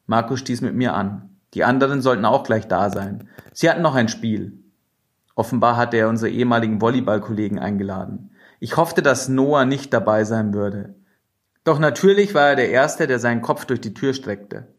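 A man narrating a novel in the first person, in a measured and expressive reading. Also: medium pitch. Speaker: audiobook narrator.

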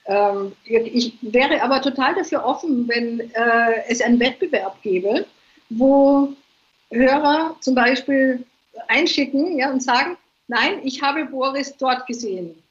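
An older Viennese woman with a high voice and measured pace chats as a guest author in a remote interview from her home on a holiday island. She thinks aloud, filling her speech with ums, over a dull lo-fi remote line.

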